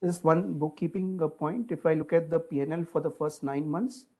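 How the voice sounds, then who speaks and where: A man's voice: on the high side, fairly even intonation, normal speed, warm tone. A man asking detailed questions as an analyst on an earnings call, polite and hesitant.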